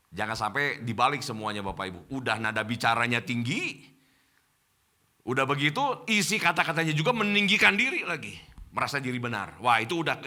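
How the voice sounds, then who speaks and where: A middle-aged male pastor with an Indonesian accent preaching a sermon to his congregation in church, addressing them directly. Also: medium pitch. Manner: addresses congregation as Bapak Ibu, animated preaching.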